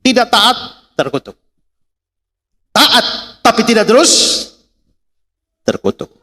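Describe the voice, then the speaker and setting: Animated Indonesian male pastor preaching. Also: sits high, takes it slowly. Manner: animated, rhetorical questions to congregation, acts out quarrels. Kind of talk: sermon with personal stories.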